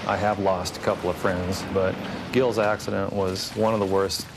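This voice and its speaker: Flat, very deep-voiced man recounting. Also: normal speed, noisy background. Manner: calm, matter-of-fact recollection. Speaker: hang glider pilot, witness. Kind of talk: interview testimony.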